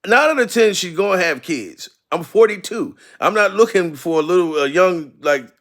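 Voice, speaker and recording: A man's voice: high voice, lively intonation, moderate pace, fairly bright tone. A man in his forties giving loose, profane reaction commentary, laughing often and asking "you know what I mean" again and again. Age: 40s.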